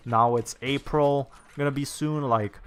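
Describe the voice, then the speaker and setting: A man's voice: medium pitch, steady tone, unhurried, fairly bright tone, smooth. Rambling young gaming streamer, a man. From Slovenia. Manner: rambling, filler-heavy, repeats words. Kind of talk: casual livestream chat, answering viewer comments.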